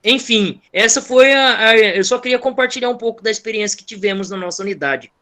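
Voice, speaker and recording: A man's voice: high voice, a little fast, sharp tone. A male school music teacher sharing a classroom experience with other teachers, with many fillers and restarts.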